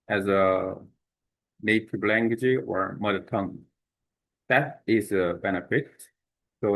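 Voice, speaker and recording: Slow, halting Korean-accented man. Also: on the low side, creaky, rough recording. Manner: halting, many fillers and restarts. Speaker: language exchange speaker. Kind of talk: unscripted talk to camera.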